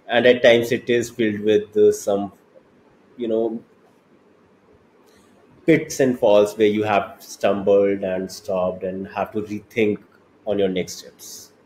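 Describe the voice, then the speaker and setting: Mellow Indian man in an echoey room. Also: on the low side, flat delivery, takes it slowly, pauses often. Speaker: podcast host. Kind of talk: interview conversation. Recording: roomy echo, faint background noise.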